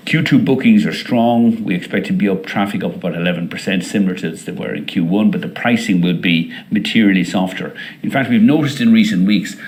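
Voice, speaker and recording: An airline executive presents company results in a semi-scripted way. His voice sits on the low side, and his delivery is deliberate and hesitant, with frequent pauses.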